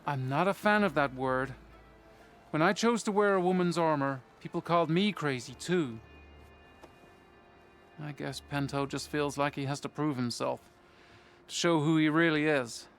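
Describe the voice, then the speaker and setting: An actor playing a stern but fair tribal soldier commander in a video game, speaking in a measured, matter-of-fact way. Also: male voice, fairly high pitch, fairly bright tone, faint music behind. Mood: earnest. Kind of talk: video game character acting.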